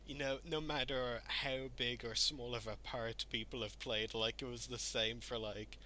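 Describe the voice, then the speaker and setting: A man's voice: mid-range voice, unhurried, rough recording. Casual male podcast host, faint noise behind. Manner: relaxed, uses fillers, asks long questions. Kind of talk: casual interview.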